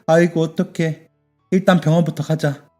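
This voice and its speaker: A man voicing a tough but caring middle-aged woman who runs a bathhouse, yelling at thugs and fussing over her young worker in a radio story. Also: a little high, little pitch movement, normal speed, soft background music, pitched above the performer's own voice, natural voice. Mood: doting. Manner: shouting threats, then fussing warmly.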